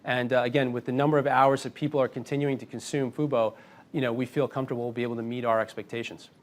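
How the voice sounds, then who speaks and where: A man speaking as a company executive, answering analysts on an earnings call in a confident, measured way. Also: medium pitch, fairly even intonation.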